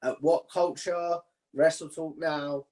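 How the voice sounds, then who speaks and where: A man's voice: fairly high pitch, fairly even intonation, takes it slowly, warm tone. A man hosting a casual interview, putting his questions together informally as he speaks. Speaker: interviewer, podcast host.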